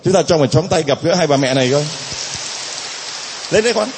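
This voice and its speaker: A man's voice: fairly high pitch, fast talker, big-room sound, noisy background. A male Catholic priest preaching a sermon, emphatic and dramatic, driving points home with rhetorical questions. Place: church.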